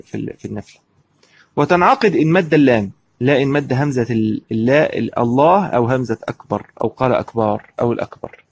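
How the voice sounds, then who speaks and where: A man with an Egyptian accent teaches from a classical legal text. His voice is husky and sits at a middle pitch. He moves between reading the book and explaining it in everyday speech, often asking a question and answering it himself. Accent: Egyptian Arabic. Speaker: Islamic law teacher.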